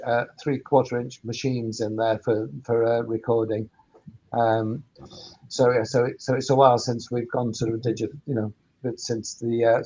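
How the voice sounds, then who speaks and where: A man with a mid-pitched voice and very little melody chats as a webinar panelist. His delivery is hesitant and stop-start, in a casual register. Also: darkish tone, a little hiss or hum, rough recording. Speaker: workspace operator and former sound engineer.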